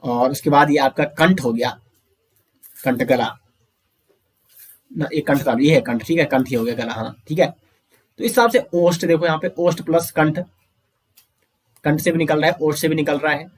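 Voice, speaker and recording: A man teaching an online grammar lesson, explaining step by step, asking questions and answering them himself, and saying sounds out slowly for pronunciation drills. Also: fairly high pitch, husky. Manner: often addresses listeners as friends.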